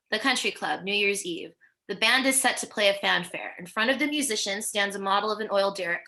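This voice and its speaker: Woman narrator, bright clear-cut tone, medium pitch, reading screenplay stage directions. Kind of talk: scripted narration at a virtual table read.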